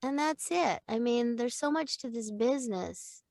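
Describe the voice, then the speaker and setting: A middle-aged woman, a voice-over teacher, chatting in an interview in an animated way, laughing often and acting out example lines. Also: fairly high pitch, unhurried, no echo, studio quality. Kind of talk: casual interview chat.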